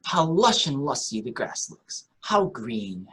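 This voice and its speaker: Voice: medium pitch, big pitch swings, slow, a bit bright, slightly rough, exaggerated voice. A performer reading a kindly, talkative, optimistic old courtier in a Shakespeare radio play, with earnest, wordy delivery. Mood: cheerful, wondering.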